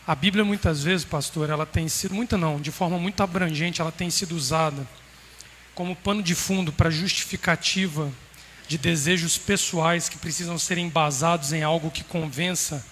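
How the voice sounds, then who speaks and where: A man preaches a sermon in a fairly high voice, pausing for emphasis. His words ring out with a long reverb in a large hall. A faint hum of noise sits behind him. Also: fairly even intonation, a bit bright. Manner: measured, emphatic preaching with pauses. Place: congregation hall.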